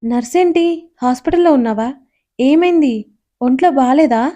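A young married woman firing eager, worried questions, as a woman narrator plays her. Her voice runs high and soft-edged. It fits a gentle audio storybook. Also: brisk, lightly acted. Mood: anxious. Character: young married woman, curious, anxious, caring.

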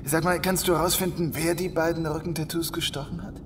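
A dogged young police inspector acted by a man works a case in a science fiction radio play. He speaks over clearly audible ship noise. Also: on the high side, steady tone, a little fast, natural voice. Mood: inquisitive. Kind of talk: audio drama acting.

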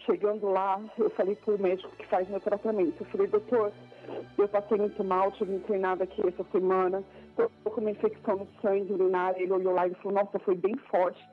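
A woman's voice: mid-range voice, flat delivery, fairly quick, breathy edge, faint music behind. Woman testifying over a tinny phone line. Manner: tearful, fervent storytelling, rising to joyful exclamations. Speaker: church member giving a testimony.

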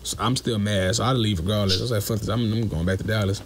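A man's voice: fairly low pitch, steady tone, fast talker, slight background noise. A young man telling a story in a voice message. He talks casually and bluntly, swears freely, and acts out the lines of the people in it. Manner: blunt and profane, acts out quoted dialogue. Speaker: listener sending a voice message.

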